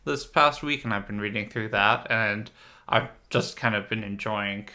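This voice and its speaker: A man's voice: lowish voice, normal speed, pushed and bright. A man co-hosting a casual gaming podcast, explaining things in a tentative, hedging way. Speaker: podcast co-host.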